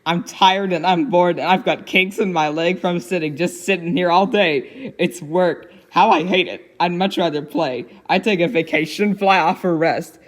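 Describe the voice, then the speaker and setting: A woman's voice: lowish voice, moderate pace, few pauses, natural voice. A woman reading aloud as a lazy mother bird in a storybook, coaxing and pleading. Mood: grumbling, bored.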